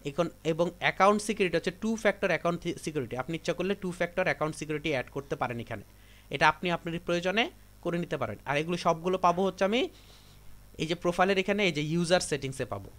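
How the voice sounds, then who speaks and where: A man's voice: on the high side, quick pace, a bit bright. A man from Bangladesh teaching a computer class, giving repetitive step-by-step instructions to his students. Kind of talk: live classroom tutorial.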